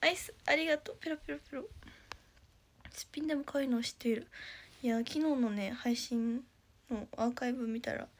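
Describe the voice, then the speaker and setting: A woman's voice: on the high side, fairly even intonation, fast. A young woman, sleepless after no night's rest, chatting casually on a phone livestream, thanking viewers in a chirpy voice and sometimes whispering. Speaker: idol trainee livestreamer. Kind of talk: casual livestream chat reading viewer comments. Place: indoors at home.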